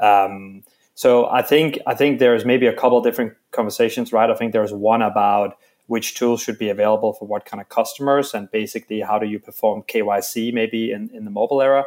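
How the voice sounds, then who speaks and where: A man with a Danish accent at a fairly quick pace. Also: medium pitch for a man. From Denmark. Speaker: fintech founder and CEO. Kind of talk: panel discussion. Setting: video call.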